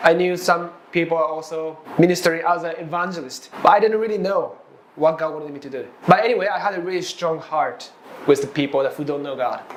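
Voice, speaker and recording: Over noticeable background noise, a man with a Japanese accent talks at a fairly quick pace and a high pitch, with ordinary pitch variation and big swings in loudness. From Japan, Tokyo. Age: 20s. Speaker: pastor. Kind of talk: testimony. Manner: halting.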